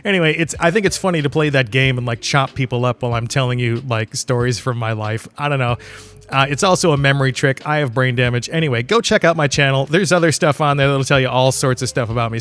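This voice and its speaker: A man's voice: medium pitch, a bit bright. A man hosting a solo podcast, talking in a casual, rambling, candid way with loose swearing and chuckles mid-sentence. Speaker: podcast host.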